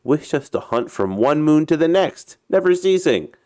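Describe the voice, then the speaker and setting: A man voicing a proud, guarded island tribal chief, firm, solemn and measured, in a storybook reading. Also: fairly high pitch, sing-song, darkish tone, smooth, no echo, clean studio sound, voice pushed up. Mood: proud, reproachful.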